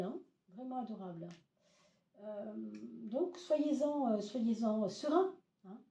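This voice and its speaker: A hoarse woman giving a casual tarot reading to her viewers, hesitant with many fillers and gently reassuring. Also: fairly high pitch, distant mic, muffled recording. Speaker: tarot reader. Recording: roomy echo, voice off-mic.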